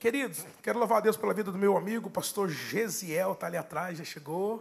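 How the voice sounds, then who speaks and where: A man talks in an animated tone at a fairly quick pace. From Brazil, Goiás. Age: 30s. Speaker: pastor. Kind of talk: sermon. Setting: church.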